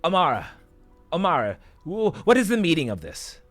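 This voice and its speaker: A man voicing an urgent, impatient noble mage who speaks briskly, demands answers and stammers when he is hurried. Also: medium pitch, lively intonation, no echo, soft background music, voice pushed up, lightly acted. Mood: urgent, demanding.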